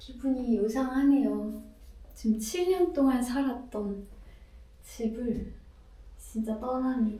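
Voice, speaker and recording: Very slow and broken by long, frequent pauses, a woman speaks in a high pitch. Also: ordinary pitch variation. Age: 30s. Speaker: travel vlogger. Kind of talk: casual vlog talk.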